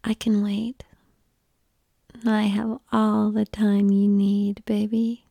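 A woman whispering softly and calmly in an ASMR roleplay, coaxing the listener through slow breathing, close to the microphone. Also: mid-range voice, creaky, dry recording. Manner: soft unvoiced whispering; calm, coaxing breathing guidance.

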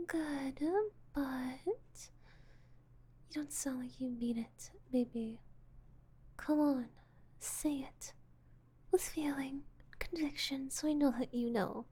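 A woman in a whispered audio roleplay, voicing a possessive, controlling woman who calls herself Mommy and talks slowly, coaxing and condescending. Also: high-pitched. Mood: taunting. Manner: soft breathy whispering, slow and coaxing; condescending, teasing.

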